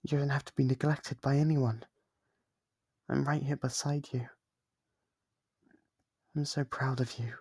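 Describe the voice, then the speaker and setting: A man playing a lonely, devoted and obsessive demon in an intimate ASMR roleplay, coaxing and tender with hesitant pauses. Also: medium pitch, steady tone, a little mellow, husky, dry recording, studio quality.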